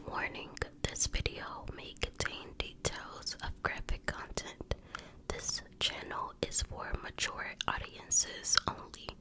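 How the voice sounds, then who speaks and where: A woman softly whispering an ASMR reading as host, in a hushed, unhurried storytelling manner. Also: low-quality recording. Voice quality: soft unvoiced whisper. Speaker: ASMR host reading a true crime book.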